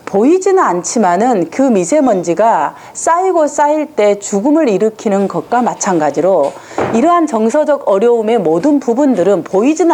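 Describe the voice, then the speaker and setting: A woman's voice: a little high, warm tone. A woman giving a live lecture to parents in a room with an audience, often putting questions to them. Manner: asks the audience frequent rhetorical questions. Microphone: hand or stand microphone with some room ring.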